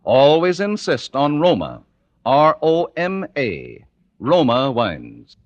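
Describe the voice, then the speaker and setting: A man reading a 1950s radio commercial as the announcer, in a smooth, persuasive way. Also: mid-range voice, huge pitch swings, slow, noisy background. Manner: smooth, persuasive, sing-song. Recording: dry, dull old radio recording.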